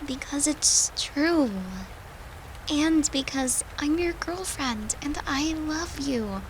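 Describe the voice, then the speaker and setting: A woman playing a gentle, devoted girlfriend who soothes her lover in an intimate comfort roleplay, speaking tenderly and reassuringly in a soft, hushed voice. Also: high voice, slow pace, slight background noise, poor audio. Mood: earnest, firm.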